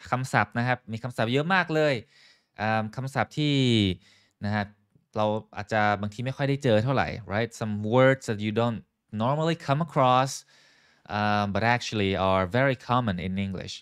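A man hosting a live online English lesson, speaking slowly and clearly with many fillers. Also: mid-range voice. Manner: switches between Thai and English, slow and clear with many fillers.

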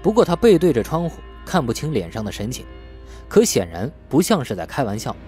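Animated male audiobook narrator. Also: mid-range voice, fairly quick, soft background music. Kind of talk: scripted novel narration with acted dialogue.

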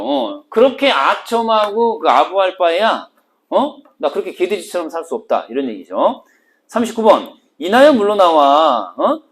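A woman teacher giving an exam-prep literature lecture, animated and teasing, switching between polite and casual speech. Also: lowish voice.

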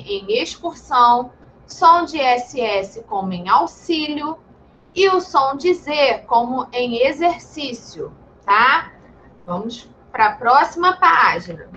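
A Brazilian woman teaching young children over a video call, patient and gentle, calling pupils sweet names. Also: high-pitched, expressive, takes it slowly, highs cut off, a little hiss or hum. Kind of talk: online class for young children.

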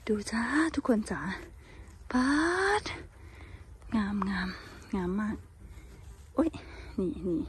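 A woman narrating a casual outdoor vlog while foraging in a forest, exclaiming excitedly over each find. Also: medium pitch, slow, long pauses, slight background noise. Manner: excitable, squeals and exclaims when finding mushrooms. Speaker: vlogger.

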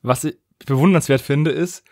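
A man chats informally on a podcast. His voice sits a little higher than most men's, recorded dry with almost no echo. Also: normal speed, darkish tone. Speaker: podcast host. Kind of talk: casual podcast chat.

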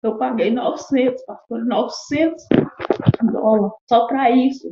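A woman's voice: a little high, unhurried, echoey room, lo-fi sound, heavy background noise. A Brazilian woman with a Brazilian Portuguese accent giving a fervent, tearful religious testimony, crying as she talks, repeating herself. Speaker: testimony guest.

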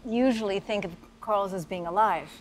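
A woman's voice: medium pitch, a little fast, slight background noise. A middle-aged woman hosting a TV interview outdoors, upbeat and effusive, on a lapel mic. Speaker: TV show host. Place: outdoors at a seaside aquarium.

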